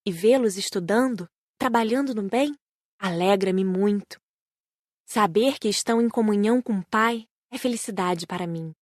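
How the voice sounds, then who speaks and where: Female audiobook narrator, mid-pitched voice, very dry recording. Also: no echo. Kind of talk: scripted first-person narration.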